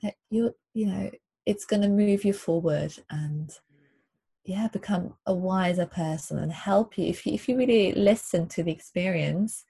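A woman from Germany, a guest on a video call, talking in a thoughtful, hesitant way with many pauses. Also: mid-range voice, creaky, warm tone, slightly rough. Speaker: interview guest. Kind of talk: casual chat. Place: home on a small island.

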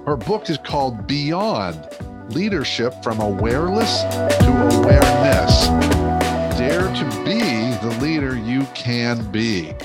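A man works as a podcast host, presenting in a mid-pitched voice. He introduces the show and guest, with music audible in the recording. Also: expressive, takes it slowly.

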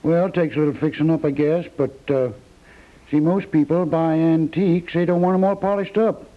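An actor playing a laconic, canny antique shop keeper with folksy rural phrasing in a 1950s radio comedy. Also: male voice, a little high, fairly even intonation, close to an everyday voice. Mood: casual, canny. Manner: folksy, drawling rural phrasing, unhurried salesman. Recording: tinny, band-limited 1950s radio recording.

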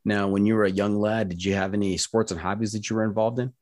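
An American man hosting a podcast, asking calm, measured interview questions and often repeating words as he thinks. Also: lowish voice, no room sound, clean studio sound. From United States. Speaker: podcast host.

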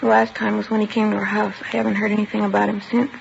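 An actress playing a troubled, bitter teenage girl in a flat, withdrawn way, in the style of 1950s radio drama. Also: mid-range voice, fast talker, gravelly, a little hiss or hum. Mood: subdued. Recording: lo-fi vintage radio broadcast.

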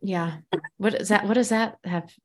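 A woman's voice: mid-range voice, fairly even intonation, moderate pace. A woman hosting a podcast, chatting frankly, swearing at times and laughing easily. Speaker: podcast host. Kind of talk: casual podcast chat.

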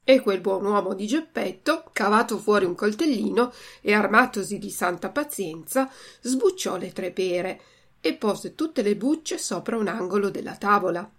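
A woman's voice: medium pitch, animated, normal speed. A woman reading a story aloud expressively, then reading out a vocabulary list as a teacher. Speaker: reader and language teacher.

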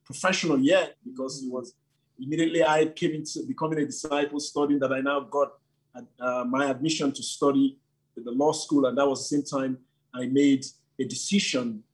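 Man, husky voice, church leader, chatty storytelling with fillers. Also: mid-range voice, a little fast, poor audio. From Nigeria. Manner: animated storytelling with frequent fillers. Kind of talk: casual interview talk.

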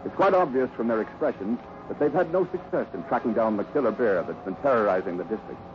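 A man's voice: medium pitch, lively intonation, fast talker, natural voice. A man narrating a 1950s radio western in a dramatic scripted style. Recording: noisy, muffled old radio recording.

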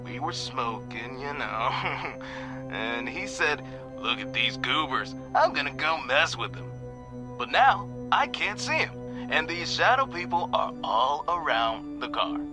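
A man's voice: mid-range voice, sing-song, takes it slowly, over music. An actor playing a laid-back young male stoner calling a radio show, drawling and slangy, then growing frantic. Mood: uneasy. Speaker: radio caller. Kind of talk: audio drama acting.

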